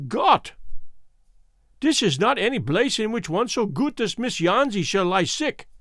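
A man's voice: high voice, very animated, unhurried, a bit bright, dry recording, studio quality, voice pushed up, full character voice. A man voicing a fierce little old German painter, blustering in broken English with a German accent, in an audiobook story. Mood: yelling, impatient.

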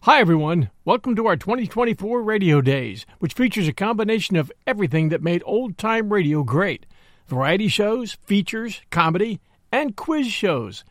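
A man's voice: high-pitched, big pitch swings, normal speed, no echo, clean studio sound. A man giving a scripted introduction as a radio show host.

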